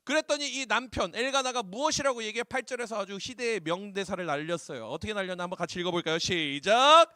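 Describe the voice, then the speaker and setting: A man preaching a sermon to high school students as their youth pastor, animated, asking them questions and acting out voices. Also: quick pace, no room sound, clean studio sound. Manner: animated, acts out voices, asks the crowd questions. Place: church hall.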